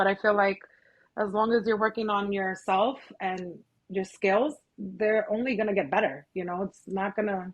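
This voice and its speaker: In a plain, everyday voice, a woman with an American accent speaks at medium pitch. Her pace is moderate and her intonation fairly even. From New York. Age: 30s. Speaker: permanent makeup artist. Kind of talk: casual chat.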